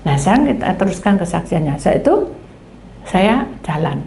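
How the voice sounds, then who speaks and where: Seorang pendeta perempuan paruh baya berlogat Jawa menyampaikan khotbah dan kesaksian, memerankan dialognya sendiri dan sering bertanya kepada jemaat. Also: female voice, lowish voice, moderate pace, slight background noise. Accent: Javanese. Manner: animated storytelling, acting out her own dialogues, asks the congregation questions. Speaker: pastor. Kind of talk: sermon with personal testimony. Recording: echoey hall with faint ambience.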